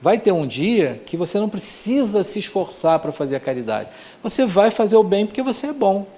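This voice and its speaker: Man teaching with a lively voice. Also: high voice, fairly quick. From Rio de Janeiro, Brazil. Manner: conversational, frequent "né?" tags and restarts. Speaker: course teacher. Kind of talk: informal spiritual lecture.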